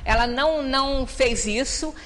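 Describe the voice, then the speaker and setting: A woman's voice: sits high, a little slow, fairly bright tone. A woman with a Brazilian Portuguese accent gives a storytelling lecture at a spiritist center. She retells events conversationally, acting out the quoted dialogue and often adding tag questions. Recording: reverberant hall with faint noise.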